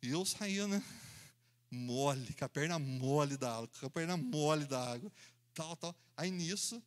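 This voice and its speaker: A man, preaching in an animated storytelling style, acting out voices and sounds and laughing along as he goes. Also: a little high, moderate pace. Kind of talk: storytelling sermon.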